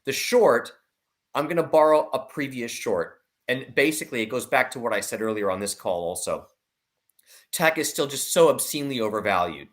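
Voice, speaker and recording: A man giving opinionated market commentary in an online discussion, emphatic and deliberate, laying out his points in lists. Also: mid-range voice, animated, fairly bright tone. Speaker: investment analyst guest.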